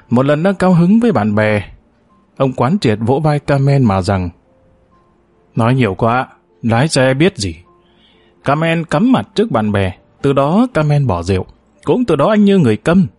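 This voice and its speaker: A man narrating a novel as an audiobook in a measured, steady storytelling manner. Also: mid-range voice, no room sound.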